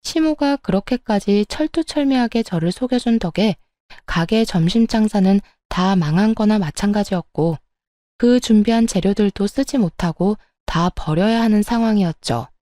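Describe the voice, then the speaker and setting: A woman narrating a first-person story in a steady, aggrieved tone. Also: medium pitch, normal speed, dry recording, clean studio sound.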